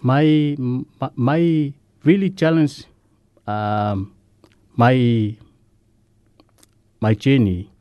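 A Samoan man, whose first language is Samoan, speaking earnest, halting English as a guest in a radio interview. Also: medium pitch, smooth, dry recording, highs cut off. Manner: earnest, halting, simple non-native English. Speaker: guest sharing recovery story.

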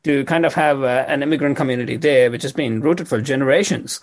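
A man's voice: medium pitch, fast talker. A man hosting a community radio interview, friendly and rambling with many fillers. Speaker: radio host.

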